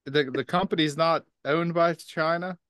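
A man's voice: fairly high pitch, fairly even intonation, moderate pace, a bit bright, smooth, no echo, clean studio sound. A man on a casual podcast, chiming in with short questions and remarks. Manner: brief interjections.

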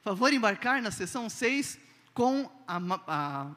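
A man voicing a female flight attendant making a formal, halting boarding announcement. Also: sits high, sing-song, sharp tone, in a large hall, exaggerated voice.

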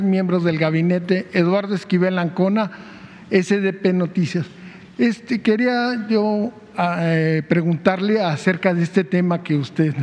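A man's voice: high voice, a little mellow. A man, a reporter politely asking a question at a press conference. He is hesitant and stumbles over fillers. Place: large press hall. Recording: dull, echoing hall sound.

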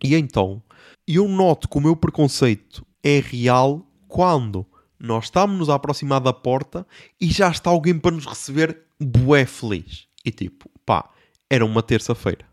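A man's voice: medium pitch, animated, normal speed, dry recording, studio quality. A young man with a European Portuguese accent, telling a comic story as a podcast host in a slangy, exasperated way and swearing often. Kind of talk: comedic storytelling monologue.

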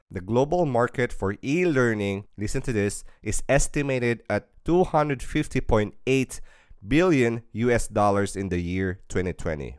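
A man's voice: lowish voice, dry recording, studio quality. Upbeat salesy male podcast host. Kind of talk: promotional podcast intro and interview.

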